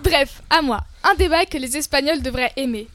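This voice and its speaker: A young woman co-hosting a scripted debate show, lively and opinionated. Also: sits high, normal speed, dry recording. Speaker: co-host.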